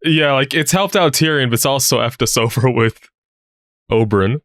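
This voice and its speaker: A man's voice: mid-range voice, normal speed, fairly bright tone, no room sound, studio quality. A man hosting a reaction video, making casual joking asides and laughing often.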